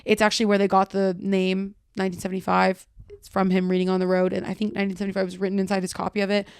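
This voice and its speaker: A woman's voice: medium pitch, monotone, racing, a little mellow, smooth, no echo, studio quality. A woman hosting a casual solo podcast, chatty and loose, talking through song lyrics line by line with lots of "like" and "kinda". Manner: full of filler words like "like" and "kinda". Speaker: podcast host.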